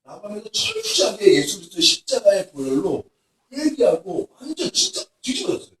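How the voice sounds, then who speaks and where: 남자 목사가 학생들에게 생생한 이야기를 섞어 가며 부흥회 설교를 하고, 중간중간 힘주어 외치듯 강조합니다. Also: male voice, sits high, a little fast. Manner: animated storytelling with emphatic outbursts. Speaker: pastor. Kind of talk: revival sermon to students. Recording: echoey hall from far off.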